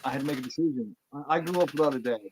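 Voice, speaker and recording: A man from Indiana, a former wrestler, telling animated, rambling stories as an interview guest and often repeating words. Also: mid-range voice, racing, a little hiss or hum, poor audio. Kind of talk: casual storytelling.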